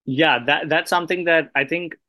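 A man with a slightly high voice hosts a conversational interview. He is agreeable and explains his points casually. The sound is dry, with no room echo. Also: normal speed, pushed and bright. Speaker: podcast host, interviewer.

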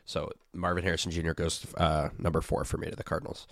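A man's voice: extremely low pitch, level tone, fast talker, fairly bright tone, no room sound. A man hosting a casual sports chat, sounding stuffy as he gets over a sickness. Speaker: podcast host.

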